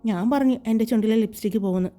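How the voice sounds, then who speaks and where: A woman voicing a playful young female friend of the bride, pouty and quick in a story reading. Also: fairly high pitch, mellow, faint music behind, close to an everyday voice. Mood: sulky.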